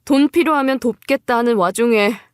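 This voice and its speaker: A woman's voice: a little high, a little fast, smooth, dry recording, studio quality, close to an everyday voice. A woman playing a hurt, exasperated pregnant wife in a story drama, reproachful and emotional. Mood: indignant.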